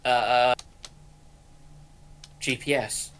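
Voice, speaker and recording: A man's voice: medium pitch, fairly even intonation, drawn-out words, a bit bright, smooth. A man chatting casually as a co-host in a discussion, adding his own remarks. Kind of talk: casual chat.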